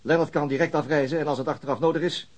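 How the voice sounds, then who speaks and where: A man acting a weary, laconic, stubborn police detective in a radio drama, speaking tersely with some hesitation in a husky voice. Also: fairly high pitch, steady tone, racing, natural voice. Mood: insistent.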